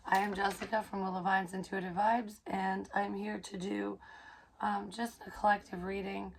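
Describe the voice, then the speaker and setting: A hoarse young woman, chatting casually in a rambling psychic vlog, swearing freely and filling pauses with ums. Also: medium pitch, little pitch movement, slight background noise. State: hoarse, recovering from illness. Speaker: psychic medium vlogger.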